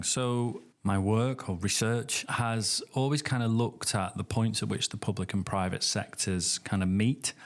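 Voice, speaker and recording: Northern english guy, lowish voice, thinks out loud, measured podcast guest. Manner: thoughtful, measured, with restarts. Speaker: guest academic. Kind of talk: podcast interview.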